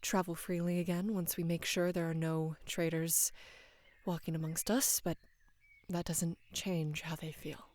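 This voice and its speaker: A young woman in her twenties playing a devoted female knight in love with her queen, speaking hesitantly and deferentially in a soft, breathy voice for intimate roleplay audio. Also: fairly low pitch, little pitch movement, natural voice. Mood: dutiful, hesitant. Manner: hesitant, halting, deferential, earnest.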